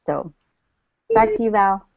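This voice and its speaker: A woman's voice: mid-range voice, wildly swooping pitch, measured pace, creaky, no echo, dull audio. A woman and stay-at-home mother talking in a bubbly, chatty way, full of fillers, in a casual online group chat. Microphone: video call.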